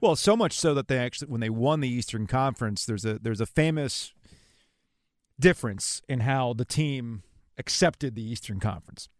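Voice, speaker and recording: A man hosting a conversational sports podcast, telling stories in a casual, slangy way with animated asides. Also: mid-range voice, normal speed, no echo, studio quality.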